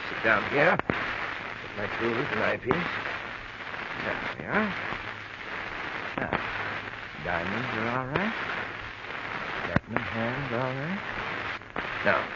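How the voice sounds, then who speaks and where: Cautious jeweler in very noisy radio drama. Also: male voice, mid-range voice, very animated. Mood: businesslike. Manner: formal, measured, hesitant. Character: polite, cautious, methodical male jewelry shop owner. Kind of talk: 1940s radio drama acting. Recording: very noisy muffled vintage radio recording.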